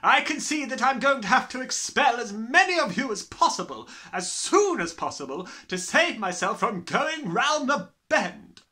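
A man voicing a gigantic, tyrannical headmistress in an audiobook, barking with slow, emphatic disgust and contempt. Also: very high-pitched, big pitch swings, pushed and bright, voice pushed up, heavily acted.

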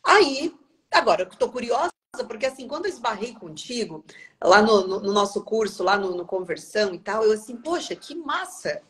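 A woman's voice: a little high, very animated, moderate pace, a bit bright. A woman in her thirties hosting a casual interview over a video call from a small office, chatty, with many restarts. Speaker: interviewer host. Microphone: video call, webcam.

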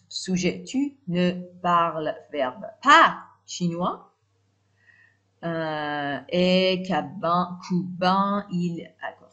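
Low-voiced woman teaching French. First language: Persian. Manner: explains quickly in Persian, repeats French phrases slowly and loudly. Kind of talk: language lesson.

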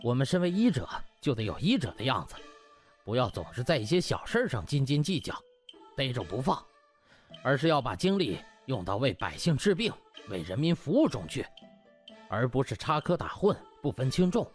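A man's voice: medium pitch, big pitch swings, moderate pace, soft background music, natural voice. A man voicing a pompous, self-important male hospital vice director making officious speeches. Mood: stern lecturing.

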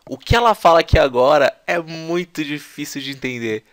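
A man's voice: fairly high pitch, normal speed, fairly bright tone, no echo. Brazilian man teaching English, slangy. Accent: Brazilian Portuguese. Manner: slangy, chatty, breaks into English imitations. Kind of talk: casual explanatory lesson.

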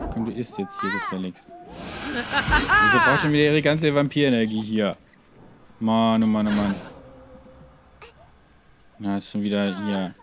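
A man with a lowish voice hosts a let's play, chatting casually to his game characters with muttered asides and frequent exclamations. There's noise in the background.

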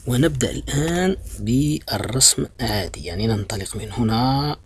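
A man's voice: medium pitch, lively intonation, moderate pace, a little hiss or hum. A man teaching a math lesson, walking students through a graph step by step. He is patient and repetitive, often calls them "my children", and corrects himself with many fillers. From Algeria. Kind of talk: blackboard-style math lesson.

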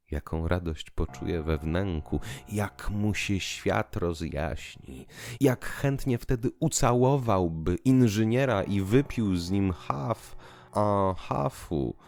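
A man narrating a literary audio drama in a theatrical, expressive way. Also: fairly low pitch, gravelly. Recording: music bed under the voice. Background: piano and musical accompaniment.

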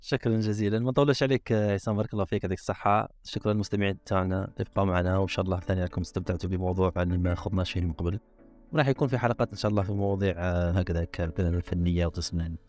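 Algerian male co-host, chatty and joking, quick talker. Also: sits low, fairly even intonation, darkish tone, soft background music. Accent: Algerian Arabic. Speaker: podcast co-host. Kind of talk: casual podcast chat.

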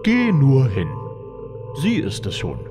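A calm, terse magic flounder, voiced by a man in a radio play. Its lines swoop widely and come slowly, with a long hall reverb. Soft music sounds behind. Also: medium pitch, full character voice.

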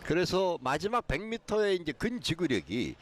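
A man's voice: high voice, huge pitch swings, moderate pace, slight background noise. A man giving live athletics commentary as an analyst, explaining things with emphasis.

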